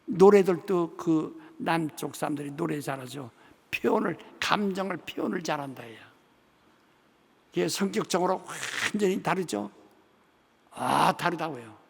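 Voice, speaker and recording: Older man, pastor, sermon, raspy and gravelly, animated storytelling, big church hall reverb. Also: on the high side, unhurried. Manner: animated storytelling, acting out dialogue. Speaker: senior pastor. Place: large church sanctuary. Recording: long reverb of a large sanctuary.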